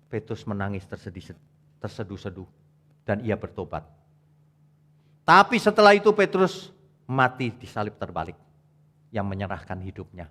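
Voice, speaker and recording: A male pastor preaching a sermon, emphatic, jumping between loud rebukes and quiet asides as he speaks straight to his congregation. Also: fairly low pitch. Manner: colloquial, addresses congregation directly.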